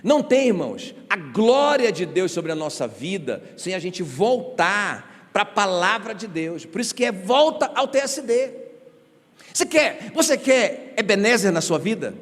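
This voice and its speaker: A male pastor preaching a sermon in an animated, conversational way, full of rhetorical questions and joking asides, in a church sanctuary. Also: high voice, a little slow. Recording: reverberant church hall.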